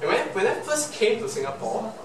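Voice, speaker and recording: A man's voice: sits high, very animated. A young man from Malaysia with a Malaysian English accent, a Chinese native speaker giving an earnest motivational speech full of rhetorical questions. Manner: earnest, rhetorical questions, slow emphatic repeats. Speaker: club speaker. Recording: echoey room from far off, noisy.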